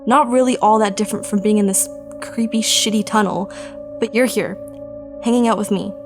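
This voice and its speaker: A woman playing a gentle, melancholy lost young woman in an audio drama, wistful and earnest. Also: mid-range voice, fairly even intonation, moderate pace, over music, natural voice.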